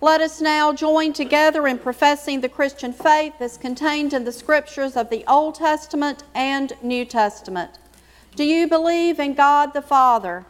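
A woman's voice: sits high, normal speed. A woman worship leader reading church liturgy to a congregation in a formal, ceremonial way. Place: large church sanctuary. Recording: echoey church hall, long reverb.

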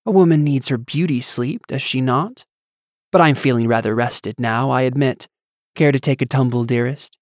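A man's voice: medium pitch, normal speed, darkish tone, dry recording, clean studio sound, close to an everyday voice. A man voicing a sultry, scheming goddess in an audiobook, with a coaxing, condescending, theatrical manner. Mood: seductive. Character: sultry, scheming, languid goddess, vain wife. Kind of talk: audiobook character acting.

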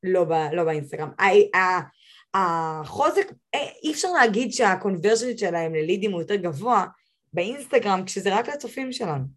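A young woman speaks as a podcast guest in a casual, animated way. Her voice sits in a middle register and climbs sharply when she gets insistent about her advice. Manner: animated and emphatic, rising high when giving advice. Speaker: podcast guest, social media expert.

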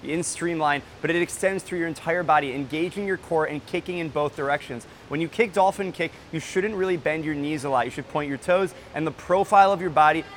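Higher-pitched male swim coach explaining drills. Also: brisk, few pauses, a bit bright, slight background noise. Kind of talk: instructional workout explanation to camera.

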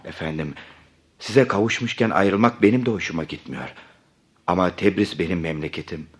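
An actor playing a respectful former prison guard, speaking earnestly and deferentially. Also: male voice, sits low, fairly quick, natural voice.

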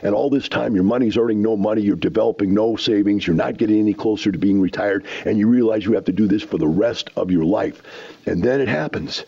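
A man's voice: lowish voice, fast, vocal fry, warm tone, husky, muffled recording. A man hosting a talk show, lecturing emphatically with rhetorical questions. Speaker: radio show host. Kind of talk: animated commentary.

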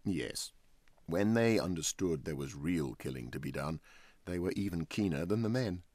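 A man voicing a calm, offhand young man who talks of dreadful things in a careless, deadpan way. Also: sits low, normal speed, dry recording.

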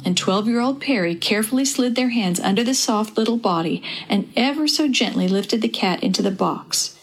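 A woman narrating a dramatized children's story in an even, warm storytelling manner. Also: medium pitch, poor audio.

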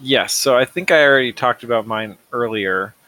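A man's voice: mid-range voice, moderate pace, pushed and bright, no echo, rough recording. A man appearing as a podcast guest in casual chat, hesitant and reflective, with fillers like "um" and "uh".

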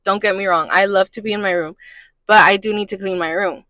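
A woman in her late twenties co-hosting a podcast, chatting in a relaxed way with Spanish phrases mixed in. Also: medium pitch, brisk, no room sound. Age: 20s. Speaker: podcast co-host. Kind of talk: casual chat.

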